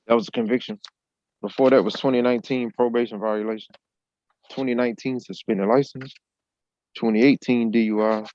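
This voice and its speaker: A man working as a court officer, reading a defendant's criminal history aloud in a flat, list-like way over a video call. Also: lowish voice, no echo. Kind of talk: reading out records. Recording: dull lo-fi call audio.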